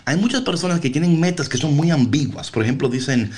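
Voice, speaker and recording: A man's voice: a little high, animated, quick pace, darkish tone, a little hiss or hum. A man hosting a casual motivational talk, explaining things with rhetorical check-in questions and slipping English words and phrases into his Spanish. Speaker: talk show host.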